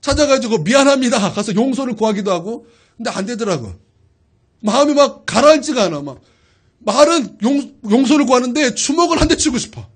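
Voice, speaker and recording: A male pastor preaching a sermon, telling a personal story in an animated way and asking the congregation questions. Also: extremely high pitch, a little fast, breathy edge.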